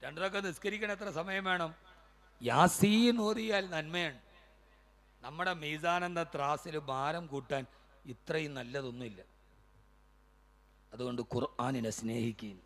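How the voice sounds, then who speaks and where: A man's voice: a little high, unhurried, fairly bright tone. A man preaching a sermon, moving between melodic chanting and impassioned storytelling. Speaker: Islamic preacher.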